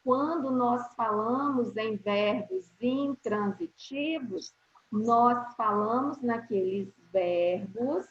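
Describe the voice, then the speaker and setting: Slow, patient Brazilian woman teacher. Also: sits high. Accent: Brazilian Portuguese. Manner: slow, deliberate explaining with frequent check-in questions. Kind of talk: online grammar lesson for schoolchildren. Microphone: video call. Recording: roomy, slightly dull video-call audio.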